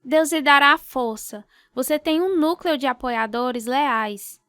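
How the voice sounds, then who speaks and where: An actress playing a devout, supportive wife gently encouraging her husband in a radio drama. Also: high-pitched, a little slow, clear, resonant tone, no room sound, studio quality. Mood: consoling.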